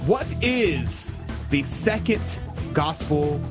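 A man's voice: on the high side, sing-song, extremely slow, over music. A man hosting a call-in radio quiz, teasing and upbeat. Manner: teasing, playful quizmaster. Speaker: radio host.

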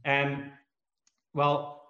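Halting man with Dutch roots. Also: medium pitch, completely flat delivery, sharp tone. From Belgium. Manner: halting, frequent restarts, self-deprecating humor. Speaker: entrepreneur and author, interview guest. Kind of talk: conversational interview answer. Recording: roomy, slightly dull recording.

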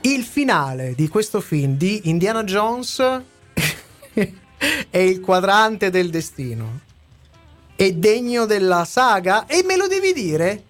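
A man hosting a comic quiz in lively casual banter, playful and often repeating his phrases. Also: high-pitched, takes it slowly, faint music behind. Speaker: quiz host.

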